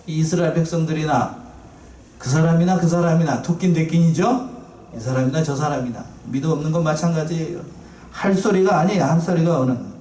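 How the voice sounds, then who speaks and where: Man, pastor, lively sermon, slightly high voice, distant mic in a hall. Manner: lively, questioning the congregation, playful. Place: church sanctuary. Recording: echoey church from far off.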